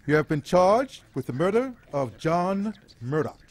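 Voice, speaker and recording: A man's voice: fairly high pitch, very animated, a little slow. A stern police officer, acted by a man. He speaks in a formal, official manner with marked rises and falls, in radio-play style. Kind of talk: audio drama acting.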